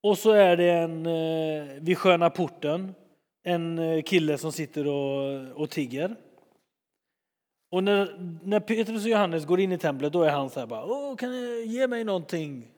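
A man preaching a sermon in a lively, chatty way, retelling stories and acting out scenes. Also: fairly high pitch, big-room sound. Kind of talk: sermon, storytelling.

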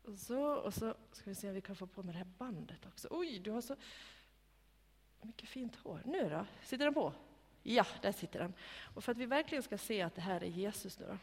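A woman with a husky voice tells a Bible story to children in a church room, coaxing them to act it out and sometimes dropping to a whisper. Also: medium pitch. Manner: animated, coaxing, directs children, drops to whispers. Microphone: microphone on a stand. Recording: long hall reverb.

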